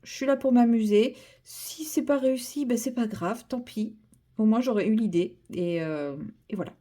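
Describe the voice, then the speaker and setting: A woman's voice: fairly high pitch, moderate pace, dark tone. A young woman chatting casually about her coloring project, rambling with many fillers and restarts and poking fun at herself. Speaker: coloring vlogger. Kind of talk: casual chat while coloring.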